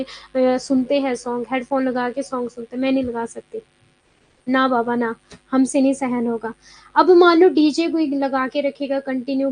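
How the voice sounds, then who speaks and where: A woman's voice: sits high, darkish tone. A young woman teaching a live online exam class in a chatty way, mixing in English terms and answering students' comments as she goes.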